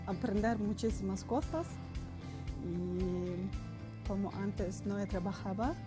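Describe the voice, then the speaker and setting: A woman giving a short testimonial as a new employee in a company video, in simple, measured sentences. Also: medium pitch. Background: music.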